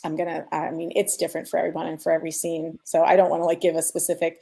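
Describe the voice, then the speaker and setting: A woman's voice: low-pitched, completely flat delivery, racing, gravelly, warm tone, husky. A woman speaking as a sound designer in a casual discussion, easygoing and agreeable.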